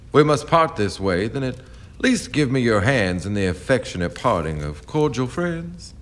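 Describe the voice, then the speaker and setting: An actor playing a swaggering, menacing riverboat captain in a radio drama, smooth-talking and taunting with flowery turns of phrase. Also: male voice, on the low side. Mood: pleading, insinuating.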